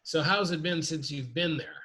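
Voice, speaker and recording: A man in his forties chats over a webcam call in a loose, joking way, cursing casually. His voice sits a little high with a bright, forward tone. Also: normal speed. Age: 40s. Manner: loose, joking, swears freely. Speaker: guest. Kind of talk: casual chat on a video call. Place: dim room indoors. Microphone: video call webcam.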